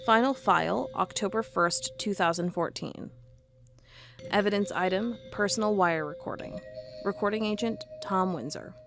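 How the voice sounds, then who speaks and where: A woman with a gravelly, medium-pitched voice plays a stubborn, sarcastic cold-case investigator who hunts monsters in an audio drama. Her manner is wry and defiant.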